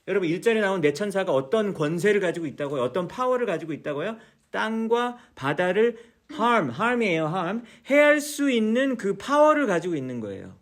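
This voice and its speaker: A man teaching a church Bible study, explaining patiently, repeating key words and asking his listeners many questions. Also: sits high. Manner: mixes English words into explanations.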